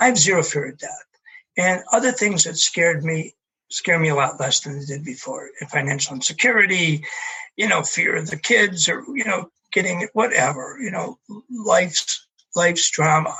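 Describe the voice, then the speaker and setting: A man talks in a Western New York accent at a moderate pace. His high pitch carries lively intonation. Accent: Western New York American. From Buffalo, New York. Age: 60s. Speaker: author, former car dealer. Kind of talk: interview. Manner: halting, many repetitions.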